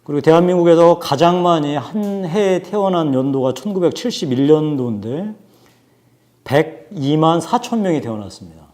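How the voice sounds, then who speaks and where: A man in his forties giving a book talk, explaining numbers in a measured way with frequent hesitations. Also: a little high, lively intonation, darkish tone. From South Korea. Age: 40s. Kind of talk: lecture-style talk with statistics.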